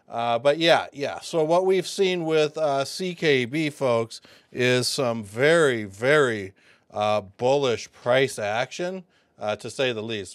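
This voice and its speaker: Excitable man hosting crypto commentary. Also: mid-range voice, no room sound, studio quality. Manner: excitable, talks to viewers as folks, many fillers. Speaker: crypto video host. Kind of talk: casual commentary.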